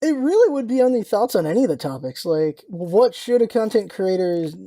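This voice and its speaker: A man hosting a casual gaming podcast in a high, mellow voice. His pitch moves around a lot as he thinks aloud, and the sound is dry and close. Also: sing-song, a little fast, no echo. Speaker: podcast host and gaming content creator.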